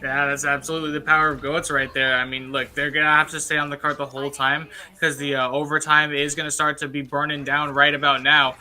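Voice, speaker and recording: Esports color caster guy, super bright sharp voice, laid back analysis with lots of uhs. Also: a little high, level tone, fast, hardly any pauses. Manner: casual analysis with many "uh" fillers. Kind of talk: live esports commentary.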